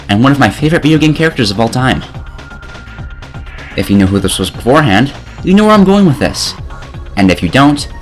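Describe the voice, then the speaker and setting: A man narrating a scripted comedic game review in an exasperated, sarcastic way. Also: fairly high pitch.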